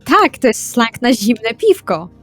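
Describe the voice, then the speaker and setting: A woman with a slightly high voice takes part in a role-playing session. She talks casually and matter-of-factly, as herself and in character. Music runs underneath. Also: big pitch swings, unhurried, a bit bright. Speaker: tabletop role-player. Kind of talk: improvised in-character chat and narration. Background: background music.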